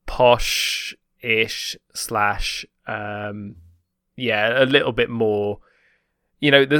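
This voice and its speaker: A man speaks with a home counties accent in a bright, closely recorded voice. His pitch is middling. He chats in an explanatory, discursive way, correcting himself as he goes. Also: dry recording, studio quality. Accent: home counties English. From home counties, England. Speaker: podcast panellist explaining British terms. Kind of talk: casual explanatory chat.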